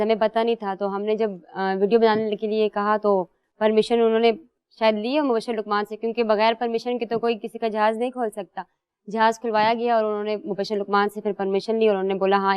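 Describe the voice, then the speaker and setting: Giggly young woman with very smooth voice. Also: a little high, no echo, dull audio. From Pakistan. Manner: giggly, casual and defiant. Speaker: contestant. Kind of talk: audition interview answers.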